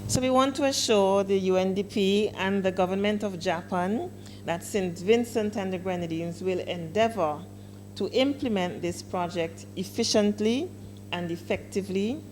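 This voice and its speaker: A woman official giving a formal public address at a launch event, speaking deliberately with emphatic stresses. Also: mid-range voice, darkish tone, slight background noise. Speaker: government director speaking at a launch.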